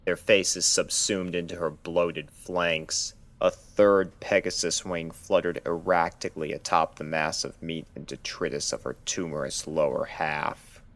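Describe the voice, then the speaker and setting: A man narrating a scripted horror story in a measured, dramatic storytelling manner. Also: low-pitched, steady tone, fairly bright tone. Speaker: narrator of fan fiction readings.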